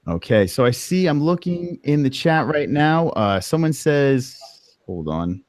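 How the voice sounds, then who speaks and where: NY-accented male host, animated pitch, dry close sound, jokey and loose. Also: a little slow, no echo. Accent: New York. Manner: joking, laughs often, stumbles over words. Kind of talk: casual livestream interview.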